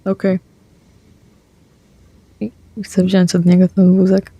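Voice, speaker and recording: A woman playing a tabletop vampire game, declaring her character's actions in a quick, plain manner. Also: on the low side, monotone, dark tone, husky, no room sound. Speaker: player.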